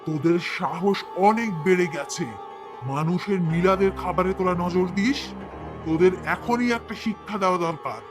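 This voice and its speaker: A man's voice: high-pitched, normal speed, music in the background, lightly acted. Man as a stern, pious cartoon cleric. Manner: admonishing, with chanted prayer. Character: stern, pious male madrasa cleric banishing jinns. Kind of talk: scripted cartoon acting.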